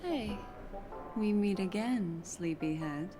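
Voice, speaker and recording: An actress playing a poised, mysterious and teasing woman in a video game, measured and coy. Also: medium pitch, expressive, over music. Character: poised, mysterious, teasing adult woman, enigmatic fortune-teller type. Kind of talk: video game character acting.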